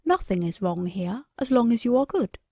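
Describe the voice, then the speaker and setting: A woman voicing a kind, obliging male seal who gently reassures, in a children's storybook. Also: on the high side, lively intonation, moderate pace, creaky, no room sound, highs cut off. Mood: reassuring.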